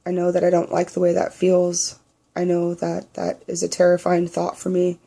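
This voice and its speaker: A young trans man with a naturally high voice he tries to pitch lower, speaking candidly and bluntly in a personal video diary, swearing freely. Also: completely flat delivery, normal speed, gravelly, dark tone. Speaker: vlogger.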